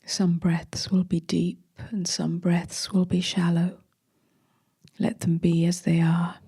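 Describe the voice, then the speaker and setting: Slow, breathy woman guiding meditation. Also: on the low side, flat delivery, no room sound, studio quality. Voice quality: soft, breathy. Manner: gentle, hushed, long pauses between short phrases. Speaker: meditation teacher. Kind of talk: guided meditation.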